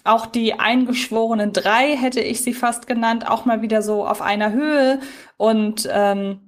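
A woman with a fairly high voice co-hosts a podcast. She talks in a casual, conversational reviewing style. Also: fairly even intonation, a little slow. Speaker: podcast host.

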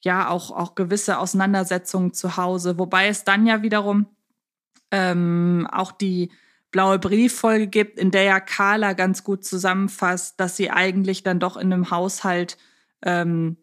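A woman's voice: lowish voice, level tone, unhurried. A woman co-hosting a podcast, chatting casually and discursively, thinking aloud as she goes. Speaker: podcast co-host. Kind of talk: casual chat about audio dramas.

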